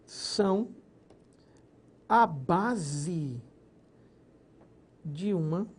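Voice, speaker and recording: A man's voice: high voice, animated, drawn-out words, breathy edge. A man teaching a recorded grammar lesson, explaining step by step, splitting words into syllables and checking in with his students. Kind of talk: recorded exam-prep lesson.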